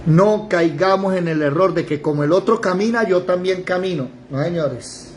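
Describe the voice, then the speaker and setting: Man, middle-aged, high voice, lively Bible class, faint room noise. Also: normal speed. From Colombia. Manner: animated, rhetorical questions, mock dialogues. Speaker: Bible teacher.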